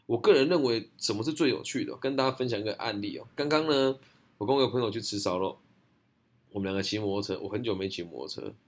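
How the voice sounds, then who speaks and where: Fast-talking Taiwanese man, blunt and chatty. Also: fairly low pitch. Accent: Taiwanese Mandarin. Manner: blunt, slangy, chatty storytelling. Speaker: host answering audience questions. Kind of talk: casual Q&A monologue.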